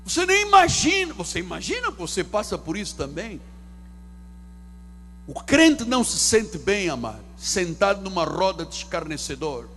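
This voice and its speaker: A man pastor preaches from a church pulpit in a high, lively voice. His delivery is theatrical, leaping between loud declarations and hushed asides. A faint hum runs underneath. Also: normal speed. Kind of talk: sermon. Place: church sanctuary.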